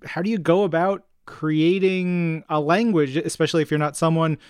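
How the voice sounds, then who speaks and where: Higher-voiced, clear, enthusiastic man podcast host. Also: steady tone, moderate pace, no room sound, clean studio sound. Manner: enthusiastic, emphatic, jokey. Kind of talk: casual promotional fan chat.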